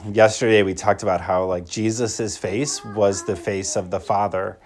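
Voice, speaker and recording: A man's voice: fairly low pitch, steady tone, normal speed. A man speaking as a Catholic priest, reading scripture and preaching a homily in a reflective manner, repeating phrases for emphasis. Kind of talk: liturgical Gospel reading and homily.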